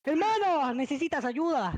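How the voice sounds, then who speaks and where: A man's voice: extremely high pitch, expressive, moderate pace, a little hiss or hum. A man streaming a game roleplay, bantering in a slangy, playful, teasing way. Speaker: gaming streamer. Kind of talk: improvised Minecraft roleplay banter. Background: background music.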